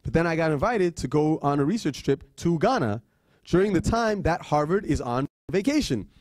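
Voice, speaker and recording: A man giving a talk, telling a personal story in an animated way that swings between loud and hushed. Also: a little high, moderate pace, no room sound, clean studio sound. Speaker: guest speaker.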